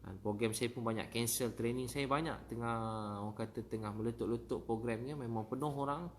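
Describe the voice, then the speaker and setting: Male preacher with a Malaysian Malay accent, mid-pitched, chatty anecdotal Ramadan talk, light noise under the voice. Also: steady tone, a little fast. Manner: warm storytelling, repeats phrases.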